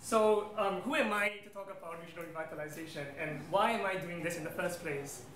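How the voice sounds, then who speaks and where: High-voiced man giving a talk. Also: a little fast, a crowd in the background. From Singapore. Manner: hesitant, many ums, friendly asides. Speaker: guest speaker. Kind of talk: presentation to an audience. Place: event room with audience. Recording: roomy hall sound, faint noise.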